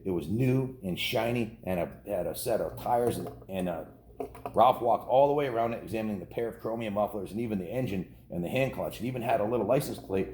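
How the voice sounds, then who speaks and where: A man's voice: fairly low pitch, darkish tone, slight background noise. A man casually reading a children's novel aloud, ad-libbing informal asides to kids in a home setting. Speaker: storybook reader. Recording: roomy, echoing indoor sound.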